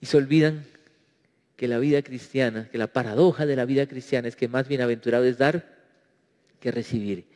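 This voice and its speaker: A man's voice: medium pitch, fairly even intonation, brisk, darkish tone. A man preaching a sermon as pastor, emphatic and acting out quoted prayers. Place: church. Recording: reverberant church hall.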